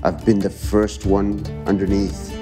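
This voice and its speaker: Man, low voice, echoey room. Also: measured pace, music in the background. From Egypt. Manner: animated, lively anecdotes. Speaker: guest, Egyptologist and director. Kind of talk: interview storytelling.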